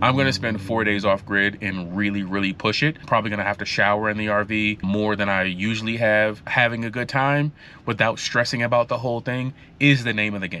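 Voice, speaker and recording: A man speaks at a fairly quick pace with a fairly low pitch and a bright, sharp tone. His intonation is fairly even, and the sound is dry with no echo and light background noise. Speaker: RV travel vlogger. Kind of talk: casual vlog chat. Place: car. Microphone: phone near.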